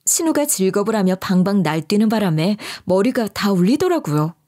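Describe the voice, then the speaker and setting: A woman's voice: mid-range voice, sing-song, brisk, mellow. Emotional woman telling a story. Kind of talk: dramatic first-person story narration.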